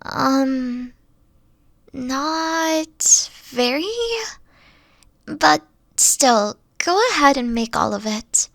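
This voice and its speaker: A gentle, weary fox-spirit girlfriend from an audio roleplay, voiced by a young woman. Her voice sits high and her speech moves slowly, soft and halting as she trails off. It sounds dry and close, with no room around it. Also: vocal fry, dry recording, full character voice. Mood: tired, reassuring. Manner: soft-spoken, hesitant, trailing off.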